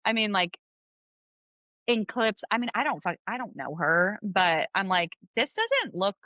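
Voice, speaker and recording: Casual, blunt female talker, California Valley girl accent, vocal fry, bright tone, very dry room. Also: medium pitch, a little slow, dry recording, dull audio. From San Fernando Valley, California. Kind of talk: casual chat.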